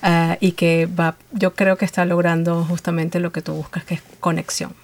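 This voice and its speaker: Woman, Venezuelan accent, interview guest, reflective, creaky gravelly voice. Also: on the low side, normal speed. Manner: reflective, steady, frequent "eh" fillers. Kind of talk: interview storytelling.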